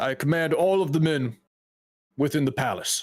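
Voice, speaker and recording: A man performs a put-on character voice at a fairly high pitch. His pace is moderate. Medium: actual play.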